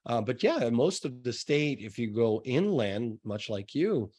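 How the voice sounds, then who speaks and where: A man's voice: mid-range voice, very animated, a little slow, darkish tone. A man with an American accent hosting a podcast, interviewing in a casual, rambling way with repeated words. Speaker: podcast host.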